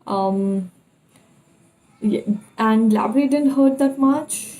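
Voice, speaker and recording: Slow, hesitant Indian-accented young woman. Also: a little high, mellow, low-quality recording. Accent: Indian English. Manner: hesitant, pausing often to recall details. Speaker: vlogger. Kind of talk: casual personal vlog storytelling.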